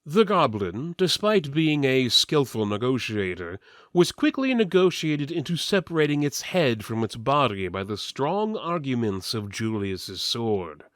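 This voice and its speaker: A man's voice: mid-range voice, measured pace, dry recording, studio quality. Theatrical man narrating with dramatic swings. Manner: theatrical, deadpan delivery of absurd lines. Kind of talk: mock-serious dramatic reading of fantasy fiction.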